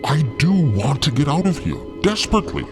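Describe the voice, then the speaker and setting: A man playing a gentle, dignified otherworldly being in an audio drama, speaking formally, earnestly and a little haltingly. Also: on the high side, sing-song, music in the background. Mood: hurt, dignified.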